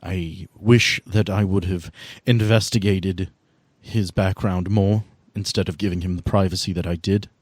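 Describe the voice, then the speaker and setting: A man voicing a caring, firm female team leader with a measured, formal and earnest way of speaking in a tabletop game. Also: sits low, steady tone, a little mellow, dry recording. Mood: regretful.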